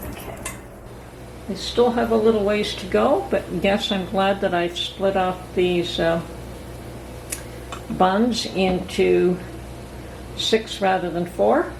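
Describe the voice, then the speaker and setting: A middle-aged woman hosting a homestead vlog, chatting calmly and thoughtfully from her home kitchen. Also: medium pitch, gravelly. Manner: calm, unhurried, thoughtful with pauses. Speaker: homestead channel host. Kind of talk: casual kitchen vlog chat. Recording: echoey room with noticeable background noise.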